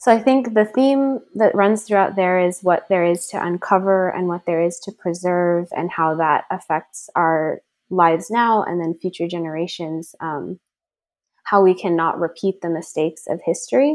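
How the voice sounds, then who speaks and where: A normal speaking voice from a woman: medium pitch, a moderate pace, ordinary pitch variation. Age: 20s. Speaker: environmental outreach specialist. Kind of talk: casual podcast interview.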